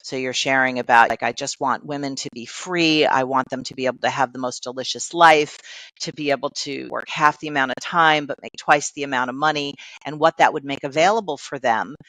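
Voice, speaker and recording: A woman's voice: rumbling low, a little fast, fairly bright tone, dry recording, low-quality recording. A woman life coach, a podcast guest, explaining ideas patiently with many everyday examples.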